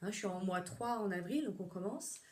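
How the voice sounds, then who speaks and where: A woman's voice: medium pitch, animated, brisk. A middle-aged woman therapist talking casually about needs and emotions, chatty and rambling with many fillers and restarts. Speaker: psychotherapist. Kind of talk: casual monologue.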